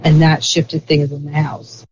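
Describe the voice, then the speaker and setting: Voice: medium pitch, completely flat delivery, a little slow, darkish tone, slight background noise. Rambling guest on a lo-fi recording. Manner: rambling, heavy use of "like" fillers. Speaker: interview guest. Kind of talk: casual conversational explanation.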